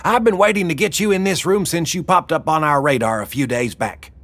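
A man reading an audiobook, voicing a loud, crude older woman who leads an eco-gang and bellows and cackles. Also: a little high, a little fast, no room sound, voice pushed up. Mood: mocking.

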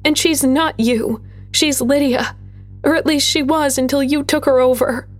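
A woman's voice: high-pitched, measured pace, a little mellow, faint music behind, voice pushed up. A woman voicing a brave young girl scout who speaks in a raised, earnest, pleading way.

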